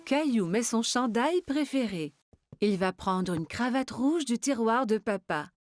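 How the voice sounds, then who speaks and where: A woman's voice: on the high side, lively intonation, a little slow, no room sound. A woman narrating a children's cartoon as a kind storyteller, with simple, encouraging storybook phrasing. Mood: gentle storytelling. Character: kind storyteller voicing nanny and mother. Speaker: narrator who also voices the adult women. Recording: light music behind the voice.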